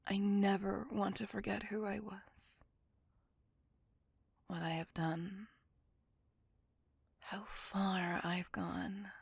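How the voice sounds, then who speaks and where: A woman's voice: medium pitch, flat delivery, extremely slow, long pauses, no echo, full character voice. A woman whispering as a brooding vampire lover. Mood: brooding confessional. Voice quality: breathy, gravelly whisper. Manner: soft confessional whisper throughout. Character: brooding possessive female vampire lover, centuries old. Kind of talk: whispered ASMR roleplay.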